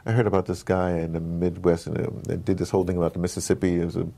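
American man, lowish pitch. Interview guest telling stories in an animated, conversational way, peppered with "you know". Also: rapid-fire, vocal fry. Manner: animated storyteller with frequent "you know" asides. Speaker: interview guest, audio drama maker.

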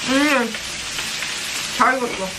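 A woman's voice: sits high, takes it slowly. A woman vlogger chatting while chewing meat at a home grill party, gushing over the food. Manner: gushing, with delighted food exclamations. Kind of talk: casual eating vlog chat. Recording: loud sizzling grill noise.

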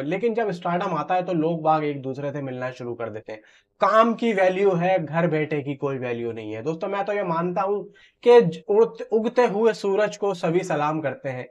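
A man, giving informal film commentary to camera in an emphatic, conversational way and repeating phrases for stress. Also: high voice. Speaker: film news vlogger. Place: small room at home, indoors. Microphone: clip-on lapel mic. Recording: slightly dull, muffled sound.

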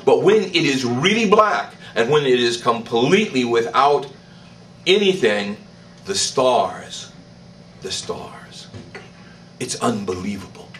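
An older man, a priest, preaching a sermon in church, slow and emphatic, with declarations that rise in pitch. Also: sing-song, fairly bright tone, far from the mic, low-quality recording. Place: church, indoors. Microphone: stand mic in front.

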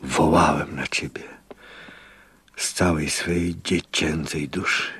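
An actor playing a fervent, sorrowful Catholic priest in a radio drama, solemn and pleading in a husky, gravelly voice. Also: male voice, extremely low pitch, steady tone, slow pace, dry recording, full character voice. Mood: wistful, reproachful. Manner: solemn, pleading, hushed at times.

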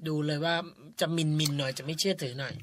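A woman's voice: low voice, fast. Chatty woman co-hosting, faint background hiss. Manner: chatty, teasing, addresses listeners. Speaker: radio co-host. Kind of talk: bilingual radio lesson chat.

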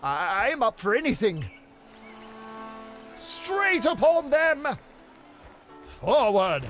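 A voice actor playing a flamboyant medieval knight in a video game, speaking in theatrical mock old English full of double meanings. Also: male voice, sing-song, takes it slowly, fairly bright tone, faint music behind, full character voice. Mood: rallying. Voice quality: high, theatrical mock-Elizabethan delivery.

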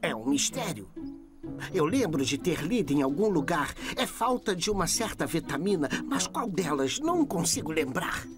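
A man's voice: a little high, very animated, normal speed, music in the background. A man with a Brazilian accent voicing a small, fussy, absent-minded berry-creature gardener in a cartoon dub, hesitant and pedantic. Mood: puzzled, fussy. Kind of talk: animated cartoon dubbing.

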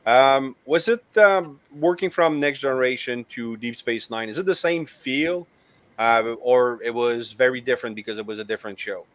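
A man's voice: medium pitch, moderate pace, a bit bright, no room sound. A man in his thirties hosting a fan interview over a video call, asking questions with many ums. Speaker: interview host. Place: home room with collectibles, video call.

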